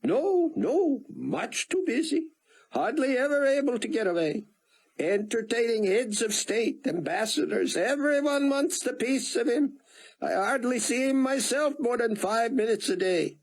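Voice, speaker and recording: A man voicing an exuberant elderly male scientist with a thick Israeli accent, in a high, lively voice. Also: a little slow, exaggerated voice, poor audio.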